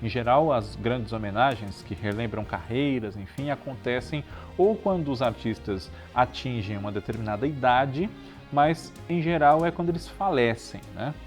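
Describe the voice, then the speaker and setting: A man's voice: medium pitch, animated, moderate pace, faint music behind. A man with a Brazilian Portuguese accent hosting a tribute show, talking conversationally to viewers and often adding chatty tag questions. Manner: chatty, frequent tag questions seeking agreement. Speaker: show host.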